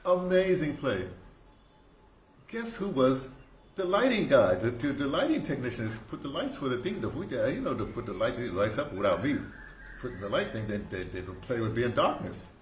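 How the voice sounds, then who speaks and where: A man in his seventies telling stories informally, in a halting, digressive way with emphatic stresses. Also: medium pitch. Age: 70s. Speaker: audio dramatist recounting theater history. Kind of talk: informal rambling storytelling to camera. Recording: roomy echo, background noise.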